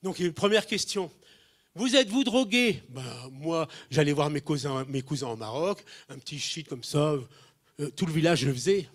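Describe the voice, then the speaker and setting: A man's voice: on the high side, moderate pace. A man, preaching to a congregation and telling funny stories, acting out the voices of people he quotes. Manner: animated, acts out quoted voices, jumps in loudness. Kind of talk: humorous sermon storytelling.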